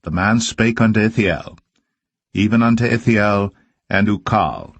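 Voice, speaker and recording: A man with a low, husky voice reads archaic scripture in a solemn, deliberate way. Each verse is carefully phrased and measured. The sound is close and dry, with little sense of a room. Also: no room sound. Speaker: scripture reader. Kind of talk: solemn scripted Bible reading of archaic King James verse.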